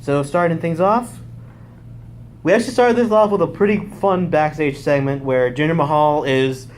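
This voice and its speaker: A man's voice: on the high side, normal speed, a little hiss or hum. A young man casually recapping a wrestling show live, rambling and correcting himself as he goes. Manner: rambling, self-correcting, excitable.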